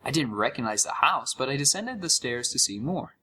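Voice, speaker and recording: A sarcastic, curious young male gamer, acted by a man tells a creepy first-person tale in an audio drama. His mid-pitched voice moves up and down in a lively way, with a wry, conversational feel. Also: brisk, a little hiss or hum. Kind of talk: first-person horror story narration.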